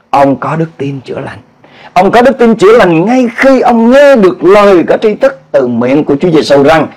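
In a rough recording, a pastor with a Southern Vietnamese accent preaches a sermon in a high voice. He's animated, putting questions to the congregation and acting out quoted cries.

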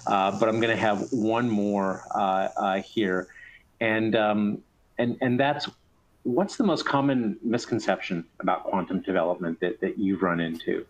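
A middle-aged man moderating a video call panel, asking questions in a relaxed conversational way. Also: on the low side, measured pace, rough recording.

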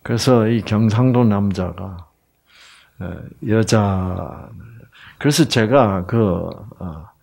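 Speaking with a Gyeongsang Korean accent, a man from that region gives a humorous Bible lecture, animated and self-mocking, playfully asking his audience to reply. His voice is fairly low and creaky, and he draws out his words.

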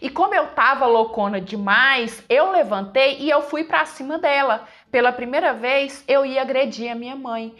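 A woman's voice: high voice, normal speed, hardly any pauses, fairly bright tone. A woman telling a dramatic first-person story in an emotional, conversational way, speaking to her listeners directly.

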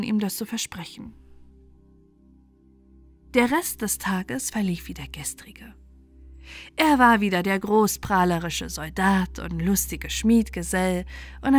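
Female bedtime-tale narrator: mid-pitched, expressive scripted reading with music behind. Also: a little slow. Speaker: storyteller.

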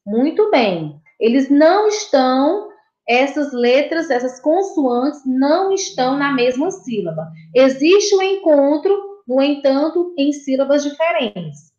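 High-voiced teacher speaking slowly to children. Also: female voice, lively intonation, darkish tone. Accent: Brazilian Portuguese. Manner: slow, patient, repeats and praises children. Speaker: primary school teacher. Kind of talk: recorded video lesson for children. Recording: dull, echoey room.

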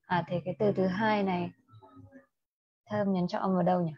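A woman's voice: on the low side, level tone, fairly quick, husky, no echo, highs cut off. A young woman with a Vietnamese accent teaching an IELTS speaking lesson on a livestream, switching between Vietnamese and English and asking students questions.

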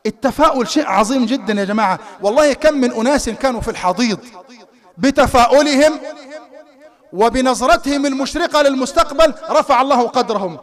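A man preaching a live sermon with an Egyptian Arabic accent, telling stories in an animated way and throwing rhetorical questions to his listeners. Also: very high-pitched, fast. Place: Islamic center hall.

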